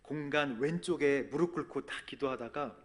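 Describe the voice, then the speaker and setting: A man preaching a sermon as a pastor, telling a personal testimony and swinging between soft and loud. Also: medium pitch, moderate pace. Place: church sanctuary.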